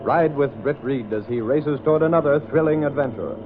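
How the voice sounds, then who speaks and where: A man's voice: medium pitch, fairly quick, background noise. A man announcing a 1930s radio adventure show in a stirring, declamatory style. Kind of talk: dramatic radio show introduction. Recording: tinny old radio broadcast with music.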